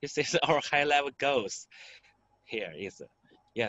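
A man with a Chinese accent and a fairly high pitch. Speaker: open source project presenter. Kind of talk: slide presentation in a video meeting. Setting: video call. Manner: halting.

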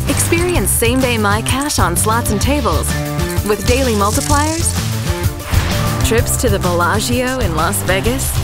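Loud music plays in the background, yet the sound is dry with no echo. The pace is moderate. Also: woman. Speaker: voice actor. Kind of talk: TV commercial read. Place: booth.

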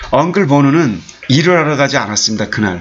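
A lively intonation over noticeable background noise. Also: man. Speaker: English reading tutor. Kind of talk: tutorial. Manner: explanatory, repeats words.

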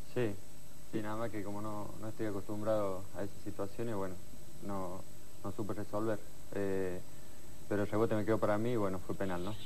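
The speaker uses a monotone, flat intonation at a fairly quick pace, with long, frequent pauses and light background noise. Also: man, fairly low pitch for a man. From Argentina. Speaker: professional footballer. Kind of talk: post-match interview. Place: studio.

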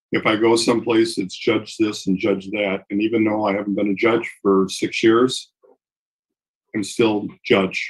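In an American accent, a man speaks with fairly low pitch and monotone, flat intonation. The background is quiet. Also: moderate pace. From US Midwest, Wisconsin (Milwaukee area); Wisconsin. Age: 70s. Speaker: retired judge. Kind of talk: interview conversation. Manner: halting, many fillers. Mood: calm, reflective. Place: home room. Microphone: webcam.

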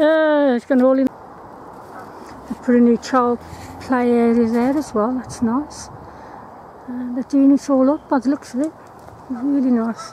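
A woman with a Birmingham accent speaks very slowly in a high voice with fairly even intonation, the sound dry with no echo and light background noise. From Birmingham, England. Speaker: dog walker filming. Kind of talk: casual narration while walking. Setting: outdoors, windy. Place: open country. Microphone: phone near.

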